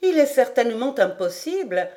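A woman's voice: a little high, big pitch swings, moderate pace, warm tone, pitched above the performer's own voice. Woman voicing a gracious admiring noble lady.

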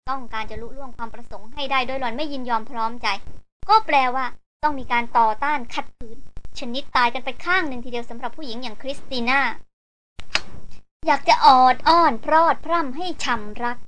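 A woman narrating a novel as an audiobook, in a steady storytelling manner. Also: high-pitched, fast talker, a little hiss or hum. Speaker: audiobook reader.

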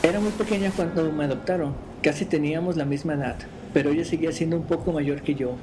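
Man, fairly high-pitched, podcast host, casual delivery, story reading, clearly noisy recording. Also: fast talker.

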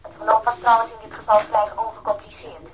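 A woman's voice: a little high, flat delivery, quick pace, close to an everyday voice, rough recording. An actress playing a cooperative female pathologist who speaks in a precise, formal, cautious way, in radio drama dialogue. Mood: composed, assured.

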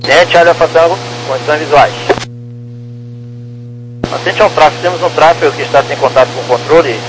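A man's voice: on the high side, a little fast. A Brazilian man working as an air traffic controller, giving clipped instructions in radio phraseology over an aviation radio. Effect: aviation radio transmission. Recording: noisy, humming aviation radio channel.

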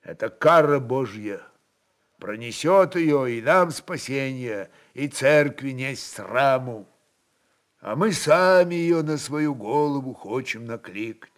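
A man playing a querulous, pious old metropolitan with a plaintive, drawn-out churchly delivery. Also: medium pitch, lively intonation. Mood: bitter, aggrieved.

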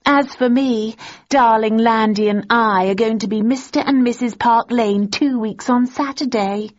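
A woman's voice: medium pitch, expressive, normal speed, breathy edge, voice pushed up. A woman reading an audiobook, voicing a smug, mocking young woman who talks down to her rival. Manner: disdainful, sneering. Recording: dull lo-fi recording.

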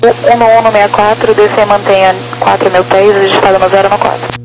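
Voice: mid-range voice, flat delivery. An air traffic controller with a Brazilian accent giving clipped, procedural instructions over aviation radio. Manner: procedural, rapid-fire instructions. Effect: aviation radio transmission. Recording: noisy radio channel with hum.

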